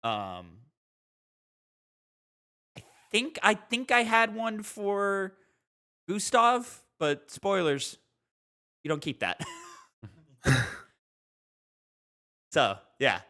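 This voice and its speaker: A man co-hosting a gaming podcast, chatting casually and telling things in an animated way. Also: high voice, very slow, pauses often. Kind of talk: casual chat.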